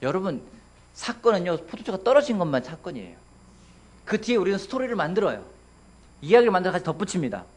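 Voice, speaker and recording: Lively Korean pastor preaching. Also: male voice, sits high, fast, long pauses. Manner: lively, asks the congregation questions, playful voices for quotes. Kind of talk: sermon. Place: church sanctuary.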